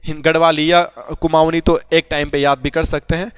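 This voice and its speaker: A man's voice: on the high side, little pitch movement, brisk, clear, resonant tone, no room sound. A young man from Garhwal teaching an informal exam-prep lesson, chatty, asking and answering his own questions. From Uttarakhand, Garhwal.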